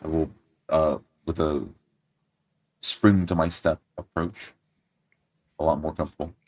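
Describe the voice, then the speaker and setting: A man's voice: extremely low pitch, steady tone, a little slow, a little mellow, husky. A man playing a tabletop roleplaying game, narrating his character's actions as he improvises.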